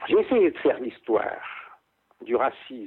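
A man speaks at a fairly slow pace with a Portuguese accent. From Portugal. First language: Portuguese (speaking French). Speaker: author. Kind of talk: radio interview. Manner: halting.

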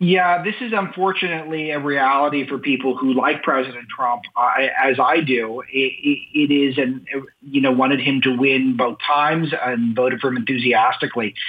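Noticeable background noise sits behind a man speaking at a moderate pace. His pitch is fairly high, with ordinary pitch variation. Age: 30s. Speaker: news editor and radio host. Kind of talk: interview.

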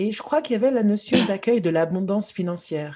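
With a dark, mellow tone, the speaker keeps to a moderate pace. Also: woman. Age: 30s. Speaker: podcast host. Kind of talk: casual interview.

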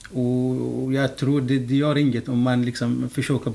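This is a man with a normal speaking voice. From Syria. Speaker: construction engineer. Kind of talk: interview.

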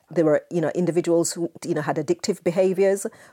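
This is a woman speaking with a Jamaican accent. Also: dry, close sound with no echo. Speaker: senior nurse. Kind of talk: interview.

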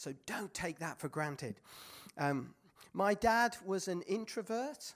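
Someone speaks with an English accent at a very slow pace. The recording is very clean, with a silent background. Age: 50s. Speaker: pastor. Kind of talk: sermon. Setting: stage with audience.

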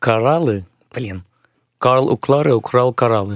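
Recorded very cleanly against a silent background, with a dry, close sound and no echo, a man speaks at a fairly slow pace in an English accent, his medium pitch showing ordinary pitch variation. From Moscow, of Indian parents. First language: English (speaking Russian). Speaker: businessman, former stand-up comedian. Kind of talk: casual chat. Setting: studio. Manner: halting.

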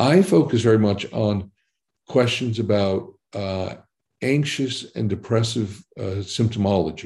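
A man with an American accent, somewhat breathy, at a fairly slow pace with ordinary pitch variation, over a quiet background. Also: fairly low pitch for a man. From US, Boston area (Massachusetts). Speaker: university associate professor, psychologist. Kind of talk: interview conversation. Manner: hesitant, filler-heavy.

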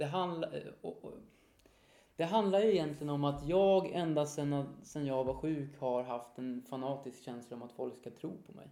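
A man talks at a moderate pace with ordinary pitch variation in a normal speaking voice. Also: fairly high pitch for a man, big swings in loudness. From Sweden, Södermanland (Mariefred). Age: 30s. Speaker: author. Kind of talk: casual interview.

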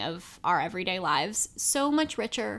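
The recording is very clean, with a silent background. A woman speaks fairly slowly at a medium pitch in a bright, sharp tone. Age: 30s. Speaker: podcast host. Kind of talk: casual chat.

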